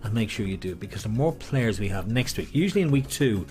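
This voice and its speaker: A man's voice: fairly low pitch, animated, fast, a little mellow. Guy calling bingo, chatty and jokey, really up and down voice, bit of music behind him. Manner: chatty, jokey, repeats himself. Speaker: bingo caller and host. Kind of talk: lively bingo calling with playful rhyming number nicknames, chatting to online players.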